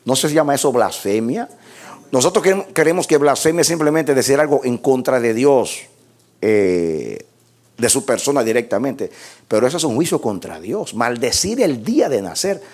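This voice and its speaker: A man preaching a sermon, reading scripture aloud and commenting on it with rhetorical questions and repeated words for emphasis. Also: mid-range voice.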